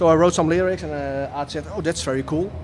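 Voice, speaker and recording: A man speaks with a Dutch accent and very wide pitch swings. Light background noise sits behind him. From Netherlands. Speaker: death metal musician. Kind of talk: casual interview. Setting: at a metal festival. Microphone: handheld.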